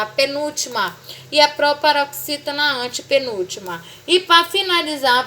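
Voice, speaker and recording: A woman's voice: sits high, bright, forceful tone, a little hiss or hum. A woman teaching a remote class, explaining step by step and checking understanding with "tá?". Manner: patient, repeats "tá?" to check understanding.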